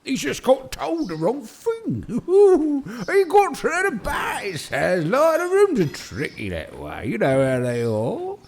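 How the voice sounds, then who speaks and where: High-pitched, folksy, deferential servant. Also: male voice, huge pitch swings, takes it slowly, hardly any pauses, a little mellow, heavily acted. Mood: coaxing. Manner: folksy, stammering, pleading, ungrammatical. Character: eager, kindly, deferential male servant. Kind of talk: audio drama character acting.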